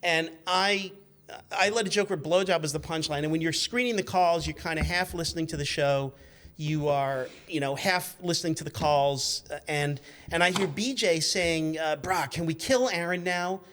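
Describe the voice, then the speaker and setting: Male radio-show guest, 50s, higher voice, animated and sweary casual storyteller who stumbles over his phrasing. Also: normal speed, slight background noise. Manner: animated, profane, stumbling as he tells stories.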